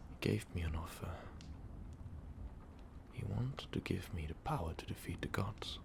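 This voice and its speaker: An ancient male vampire overlord, acted by a man, brooding and tormented in an intimate ASMR roleplay. His voice is very low and creaky, mostly sunk into a breathy whisper. He speaks slowly and wearily, with halting pauses. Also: expressive, full character voice. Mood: somber, reminiscing.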